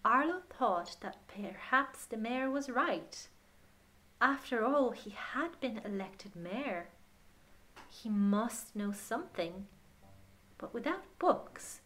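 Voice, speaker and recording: A woman tells a children's storybook with expression and deliberation, letting her phrases fade to a hush and speaking straight to young listeners. Her voice is on the high side with lively intonation, and there's a little hiss or hum.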